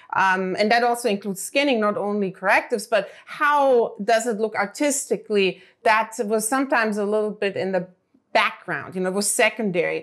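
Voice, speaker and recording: With a German accent, a woman talks at a fairly quick pace and fairly high pitch with ordinary pitch variation. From Germany. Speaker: animation rigging artist and studio head. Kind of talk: casual interview chat. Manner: hesitant, many fillers.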